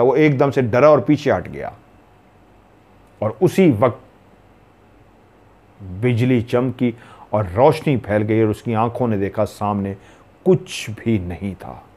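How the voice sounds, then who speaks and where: A man's voice: on the low side, animated, takes it slowly, pauses often, darkish tone. Male storyteller from Pakistan, suspenseful horror narration. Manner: dramatic, suspenseful.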